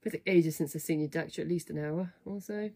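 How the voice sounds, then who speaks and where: Croaky woman chatting on a livestream. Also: on the low side, fast talker, warm tone. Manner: chatty, rambling, self-deprecating, many fillers. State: croaky, rough voice. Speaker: fitness studio livestream host. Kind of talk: casual livestream chat greeting viewers. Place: home, at a desk. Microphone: webcam or computer mic at a desk.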